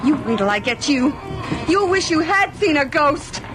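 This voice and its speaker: A woman's voice: high voice, big pitch swings, normal speed. An actress playing a freezing, frightened young woman lost in the snow, angry and pleading, in an old-time radio ghost drama. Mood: angry, searching. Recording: old radio drama with loud music underneath.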